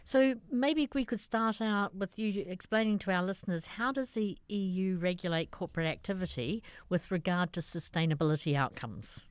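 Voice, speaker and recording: A woman's voice: mid-range voice, normal speed, hardly any pauses, clean tone, dry recording. A woman co-hosting a podcast, interviewing conversationally with reflective, loosely phrased remarks and questions. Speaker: podcast co-host.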